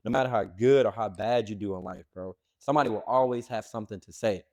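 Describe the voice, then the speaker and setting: A man's voice: fairly low pitch, fast talker, darkish tone. A man in his late twenties co-hosting a podcast, rambling in casual chat with heavy slang and lots of fillers. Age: late 20s. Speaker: podcast co-host.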